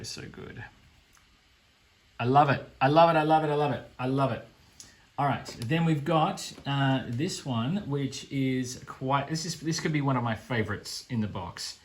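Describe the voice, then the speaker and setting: An Australian man gushing with enthusiasm as he unboxes a board game, speaking casually. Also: lowish voice. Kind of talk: unboxing commentary.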